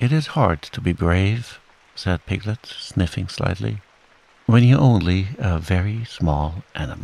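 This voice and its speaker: Soft-spoken and soothing in tone, a man with a very deep, low pitch uses lively intonation at a fairly slow pace. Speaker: audiobook narrator. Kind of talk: bedtime story telling, gentle read-aloud narration for sleep. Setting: home recording with gentle rain sound in background. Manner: soft-spoken, slow and soothing, gently lilting; gloomy drawl for Eeyore, lightly voiced characters.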